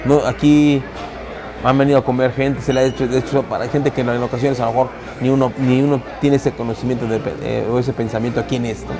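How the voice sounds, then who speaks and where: A man's voice: medium pitch, level tone, fast, crowd noise. A man in his forties with a Mexican accent, telling the story of his taquería in an interview, talking easily with hesitant restarts. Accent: Mexican Spanish. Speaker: taquería owner. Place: busy taquería dining room, indoors. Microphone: camera interview, seated. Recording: music under the voice.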